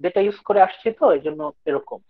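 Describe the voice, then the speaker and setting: A male teacher giving an online class, his slow, halting speech breaking into choppy buffering stutters over a weak mobile-data line. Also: sits high, dry recording. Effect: choppy buffering stutter from a weak mobile-data connection. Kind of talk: online literature lecture. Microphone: phone on mobile data in an online class. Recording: dull, lo-fi internet call audio.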